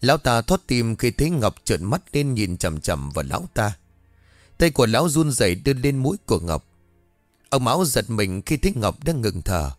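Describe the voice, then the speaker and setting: A man telling a ghost story in a measured, dramatic way. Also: lowish voice, dry recording. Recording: dry close voice with faint background music.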